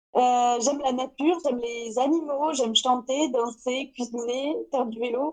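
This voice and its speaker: A fairly slow pace with ordinary pitch variation, in a southwestern French accent. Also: woman. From southwestern France, near Toulouse. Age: 20s. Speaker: animal bioenergy therapist. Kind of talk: casual chat.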